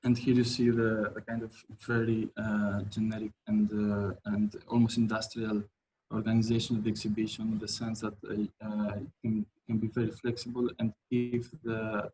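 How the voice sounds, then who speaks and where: A man's voice: on the low side, flat delivery, moderate pace, darkish tone, a little hiss or hum, poor audio. A man from Albania presenting his architecture projects in a webinar, hesitant, with many fillers and restarts.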